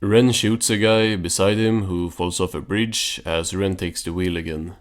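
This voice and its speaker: A man's voice: low voice, steady tone, measured pace. A man recapping a cartoon as host, in a casual, understated, offhand way.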